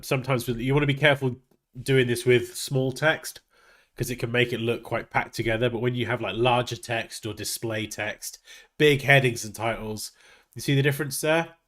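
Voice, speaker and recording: A man leading a graphic design livestream talks casually at a moderate pace, thinking aloud while he works. His medium-pitched voice is steady and a bit bright, with a sniffly, nasal quality from a blocked nose.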